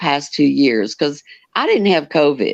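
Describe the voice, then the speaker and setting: A woman speaks in an East Tennessee accent with very wide pitch swings. The background is quiet. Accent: Southern US (East Tennessee). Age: 60s. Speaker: yoga instructor and network marketer. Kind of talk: podcast interview.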